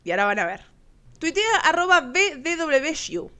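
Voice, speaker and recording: A woman's voice: high voice, sing-song, normal speed, sharp tone. A woman with an Argentine accent casually commenting on viral clips as host, chatty and sarcastic, often laughing. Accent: Argentine Spanish.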